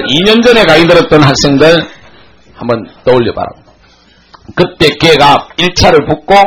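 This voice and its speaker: Guy in his 40s lecturing a class, kinda high voice that jumps around a lot, blunt and coarse. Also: low-quality recording. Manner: animated storytelling, blunt and coarse.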